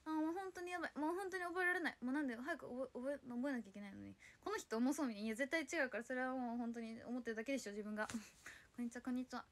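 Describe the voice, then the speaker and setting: A young woman, talking on her own livestream. Her voice sits high, and her chat is quick and flustered as she answers viewers one by one. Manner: chatty, flustered, reads and answers viewer comments. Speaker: idol livestreamer. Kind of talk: casual solo livestream chat.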